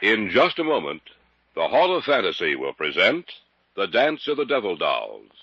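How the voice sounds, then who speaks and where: A man's voice: lowish voice, wildly swooping pitch, normal speed, slight background noise. A man hosting an old radio drama series, grandly theatrical and inviting. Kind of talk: 1950s radio drama introduction. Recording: echoey dull old radio recording.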